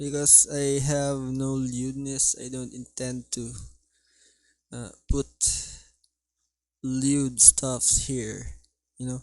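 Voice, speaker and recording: A man with a non-native accent speaks in a monotone, flat way at a very slow pace. Long pauses come often. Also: medium pitch for a man. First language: not English. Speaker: drawing streamer. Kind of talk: casual livestream commentary while drawing. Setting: livestream. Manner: halting.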